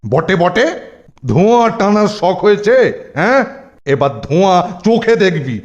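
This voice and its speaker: A man voicing a gruff, menacing cartoon schoolmaster who scolds and interrogates, quick to punish. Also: high voice, lively intonation, darkish tone, dull audio. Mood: angry, threatening. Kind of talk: cartoon voice acting.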